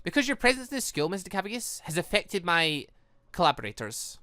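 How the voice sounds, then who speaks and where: A gaming host voicing a stern male headmaster in a formal, measured, pointed way. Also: medium pitch, very animated, pushed and bright, dry recording, clean studio sound. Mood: stern, accusing.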